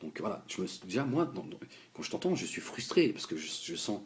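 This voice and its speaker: Young man from France, political commentator, talking in a low voice with big swings in pitch, stop-start and repetitive. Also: a little hiss or hum. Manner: animated, halting, repeats words, addresses the politician directly. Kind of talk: heated political monologue.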